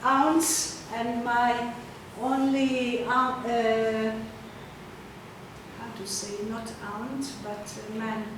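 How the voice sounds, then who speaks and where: Presenting her artwork in a slideshow at an exhibition opening, an older artist from Czechoslovakia whose native language is Hungarian speaks in a fairly high, flat voice. She halts often, leaning on fillers as she looks for the right words. The noisy recording was made from far away in a reverberant hall.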